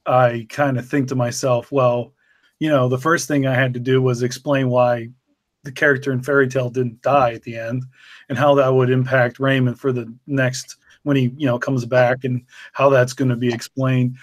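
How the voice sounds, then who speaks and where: A man's voice: mid-range voice, little pitch movement, moderate pace, no room sound. A man, a writer, rambling in a reflective way about his writing in a casual podcast chat.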